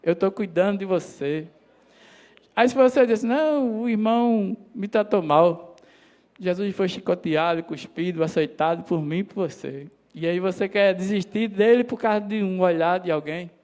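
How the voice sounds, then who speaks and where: A man preaching a sermon in a church, calling the listeners his brothers and voicing God's words in a lower tone. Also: moderate pace, darkish tone. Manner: addresses congregation as brothers, quotes God in a lowered voice.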